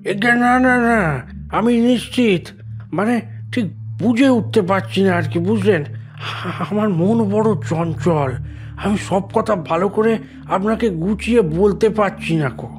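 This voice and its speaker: An actor playing a frightened, pleading old Brahmin landlord of about seventy in an audio drama, flustered, halting and deferential, often repeating himself. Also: male voice, sits high, faint music behind. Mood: nervous, confused.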